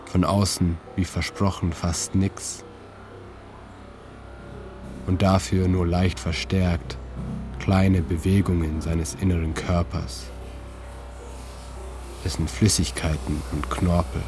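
A man reading his own literary narration in a calm, measured way, with slow deliberate pauses. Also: low voice. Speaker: narrator and author. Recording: narration over music.

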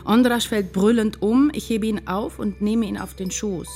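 An actress playing an anxious, tender writer in love, narrating a literary radio drama in an intense, confessional way. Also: female voice, medium pitch, fairly even intonation, moderate pace, warm tone, lightly acted. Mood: tender, wistful. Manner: intense, confessional first-person storytelling. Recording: music behind the voice. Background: music.

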